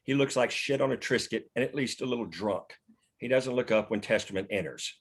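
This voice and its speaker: A man's voice: mid-range voice, brisk, slightly rough. A man narrating the stage directions of a screenplay at a table read.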